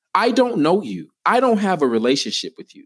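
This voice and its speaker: Captured on a very clean recording with a silent background, a man with an American accent uses very wide pitch swings. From United States. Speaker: author and relationship coach. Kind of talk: casual interview conversation.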